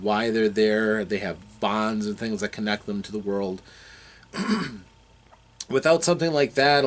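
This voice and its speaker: A man with a fairly low voice talks through game design as a game master. His delivery is unscripted and explanatory, with deliberate, halting phrasing as he works out his thoughts aloud.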